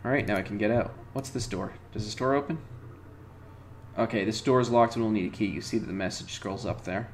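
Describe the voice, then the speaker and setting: A man's voice: fairly low pitch, brisk, slight background noise. A man in his thirties casually commenting on the game he is playing, thinking aloud with lots of fillers at home. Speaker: let's play host. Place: home room.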